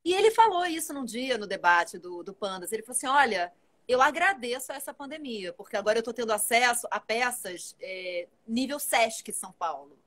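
A woman's voice: a little high, fairly quick. A woman in her forties, an actress, talking casually and animatedly as a guest on a live video call from home. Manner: animated, talkative, gestures while speaking. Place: home room with plants and shelves.

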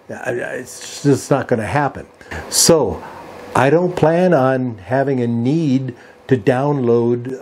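Speaking at a medium pitch, a man in his sixties hosts a ham radio hobby channel and walks through a software tutorial and review step by step, in a measured way. He talks to camera from a small indoor home radio workshop.

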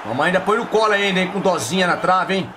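A Brazilian man with a high voice streams a football video game, giving live commentary as he taunts, mocks, and swears at his online opponent. He speaks quickly in Brazilian Portuguese with lively intonation, and there's background noise.

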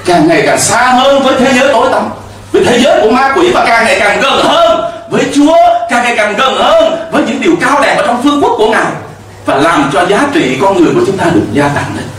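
A man's voice: very high voice, very animated, fast, fairly bright tone, heavy reverb, recorded from a distance. A middle-aged man preaching a sermon from a church pulpit into a handheld mic, emphatic, with call-and-response to the congregation. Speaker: pastor. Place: church stage with pulpit and cross.

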